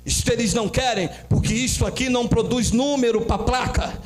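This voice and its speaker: Man, pastor, very high pitch, fiery sermon, shouted peaks. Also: a little fast, faint music behind. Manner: preaching with dramatic swells and shouted climaxes.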